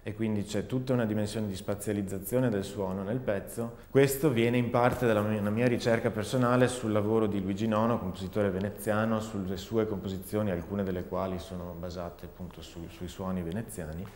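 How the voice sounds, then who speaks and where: A man in his forties, a performing artist and sound researcher, explains his artistic work in an interview while seated in a dark indoor studio. His lowish, darkish voice holds a steady tone and moves fairly quickly with few pauses, though he thinks carefully and restarts as he searches for words. The recording sounds roomy, like a reverberant hall.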